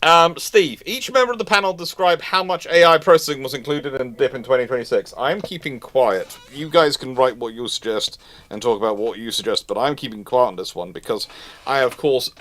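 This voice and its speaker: Speaking in a mid-range, fairly bright voice, a man from the United Kingdom runs a live question-and-answer stream. He offers opinionated expert takes in a loose, rambling style, repeating his points.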